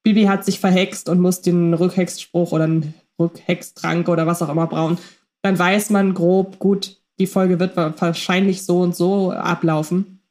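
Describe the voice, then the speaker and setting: A woman's voice: on the low side, level tone, normal speed, a little mellow. A woman hosting a casual fan podcast, talking in a chatty, playful way. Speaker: podcast host.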